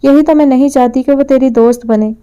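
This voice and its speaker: A woman voicing a scornful middle-aged mother in an audio novel, sharp-tongued and scolding, with a smooth, mellow, fairly high voice. the reading stays close to the narrator's own tone. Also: steady tone, lo-fi sound, lightly acted.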